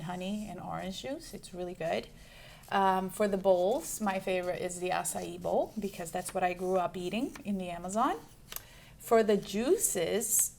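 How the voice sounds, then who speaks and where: Chatty woman from Brazil, faint hiss. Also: medium pitch. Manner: chatty, lists things with many ums and restarts. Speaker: juice bar owner. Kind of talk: casual interview answers.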